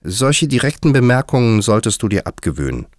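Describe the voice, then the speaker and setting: A man's voice: fairly low pitch, sing-song, moderate pace, no room sound, studio quality, pitched above the performer's own voice. A man voicing a prim young girl who speaks in an indignant, proper way. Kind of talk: audiobook character voice.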